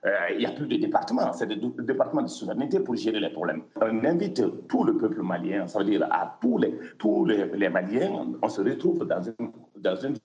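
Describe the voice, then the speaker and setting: A man's voice: on the low side, sing-song, fairly quick, warm tone, lo-fi sound. Emphatic man with many restarts. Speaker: opposition spokesman. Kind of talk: interview statement. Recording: roomy echo.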